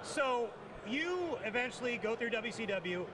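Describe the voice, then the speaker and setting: A man in his forties with a fairly high voice asks eager interview questions. Clear background noise from outdoors sits under him. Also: sing-song, unhurried. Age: 40s. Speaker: podcast host. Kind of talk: casual interview.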